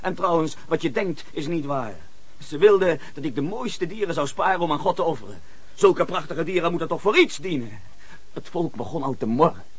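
An actor playing a troubled biblical king in a radio play, husky and emotional, given to justifying himself. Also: on the high side, animated, fairly quick, no echo. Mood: defensive. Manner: emotional, theatrical. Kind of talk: Dutch radio play acting.

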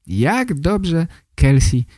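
Guy hosting a podcast, slow talker, close dry sound, doing an intro. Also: a little high, very animated, dark tone, breathy edge, no echo. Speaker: podcast host and language teacher.

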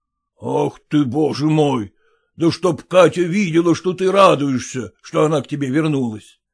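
A man voicing a stern, bossy older man who lectures and scolds his son-in-law in a slow, drawn-out way. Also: a little high, gravelly, slightly rough, exaggerated voice. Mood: lecturing.

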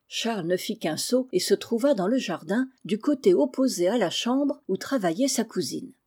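A woman narrating a classic children's novel aloud in an even, measured way. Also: mid-range voice, breathy edge. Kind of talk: audiobook reading.

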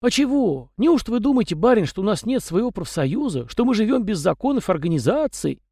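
A man's voice: high-pitched, big pitch swings, fairly quick, dark tone, breathy edge, no echo, studio quality, voice pushed up, exaggerated voice. A man voicing a small, talkative male house spirit with rustic, folksy peasant speech. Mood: chatty folksy.

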